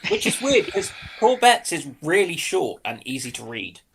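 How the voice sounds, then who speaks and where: A man's voice: on the high side, very animated, moderate pace, gravelly, background noise. A man chatting casually as a panelist on a livestream. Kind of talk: casual chat.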